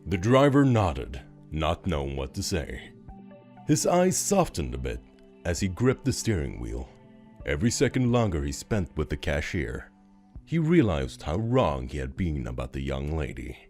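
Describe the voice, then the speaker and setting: Casting: male storyteller with a very low, animated voice, narrating scripted fiction over soft music. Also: a little slow.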